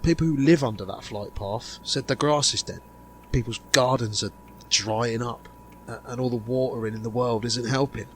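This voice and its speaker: A man's voice: mid-range voice, moderate pace, close to an everyday voice. Man acting grave conspiracy insider, noisy recording. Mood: grave, bewildered. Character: grave male insider revealing a sinister conspiracy. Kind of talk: amateur audio drama dialogue.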